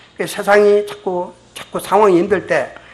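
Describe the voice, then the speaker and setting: Amid noticeable background noise and audible room echo, a man speaks in a high voice. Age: 60s. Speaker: missionary preacher. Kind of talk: sermon.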